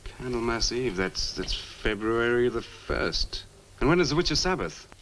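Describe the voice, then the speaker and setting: A man's voice: medium pitch, animated, unhurried, fairly bright tone. An actor playing an earnest, polite and hesitant young man in a 1960s horror film. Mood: skeptical. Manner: hesitant, courteous, skeptical. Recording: noisy old film soundtrack.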